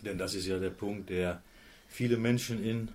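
A man in his sixties, a sales manager, speaking earnestly and in a measured way as a radio guest. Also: on the low side, fairly even intonation, darkish tone. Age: 60s. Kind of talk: radio interview.

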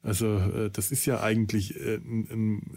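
A man's voice: fairly low pitch, flat delivery, measured pace, a little mellow. A man co-hosting a podcast, talking thoughtfully and hesitantly with many fillers and restarts. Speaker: podcast co-host. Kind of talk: casual podcast chat.

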